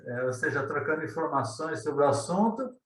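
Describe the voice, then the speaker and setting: A man's voice: a little high, expressive, moderate pace, a bit bright, far from the mic. A man, a guest telling his story in a meandering, hesitant way, often tagging his sentences with questions. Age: 50s. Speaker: guest, ufology author. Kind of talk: conversational interview storytelling. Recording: roomy echo.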